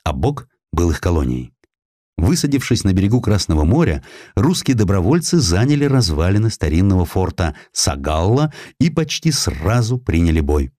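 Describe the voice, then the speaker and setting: A man reading a scripted historical narrative as an audiobook, in an expressive, dramatized storytelling manner. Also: on the low side, no room sound, clean studio sound.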